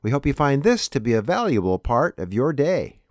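Lively-voiced male news host. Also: medium pitch, no echo, clean studio sound. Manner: plain, measured announcer reading. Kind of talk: scripted news introduction.

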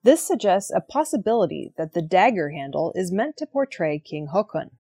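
A woman reading the weekly archaeology news headlines in a clear, measured scripted style. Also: fairly low pitch, sing-song. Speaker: news reader.

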